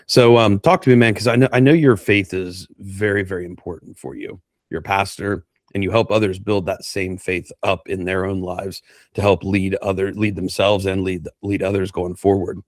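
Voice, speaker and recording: A man's voice: low-pitched, fairly even intonation, moderate pace, dry recording, studio quality. A man hosting a podcast interview, chatting in an easygoing way and asking open questions. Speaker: podcast host. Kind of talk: interview chat.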